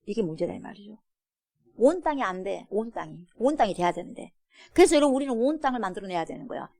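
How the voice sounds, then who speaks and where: A woman pastor with a Jeolla accent, preaching a sermon to her church and firing questions at the congregation. She swings between loud exclamations and soft asides. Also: mid-range voice, big pitch swings, quick pace, no echo, clean studio sound. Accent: Korean, Jeolla. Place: church sanctuary.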